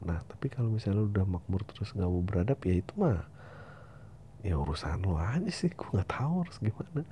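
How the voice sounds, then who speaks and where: On his podcast, a male host works through listener emails out loud, adding slangy remarks and the odd swear word. The sound quality is dull and lo-fi, with a faint rumble in the background.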